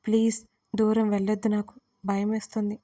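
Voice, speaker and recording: A woman's voice: mid-range voice, monotone, mellow, close to an everyday voice. A woman voicing a frightened, sobbing young woman. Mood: tearful, frightened. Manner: halting, stammering through tears.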